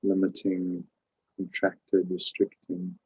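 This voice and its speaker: A man with a low, slightly rough voice leads a guided spiritual meditation. His intonation stays very even as he gives calm, measured instructions, leaving pauses between phrases. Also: low-quality recording. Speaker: meditation teacher and host.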